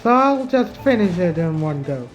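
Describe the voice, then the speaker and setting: Woman streamer, casual gameplay reaction, lively pitch movement, informal, repetitive phrasing, soft background music. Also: moderate pace, dull audio. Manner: informal, repeats herself. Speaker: gaming streamer.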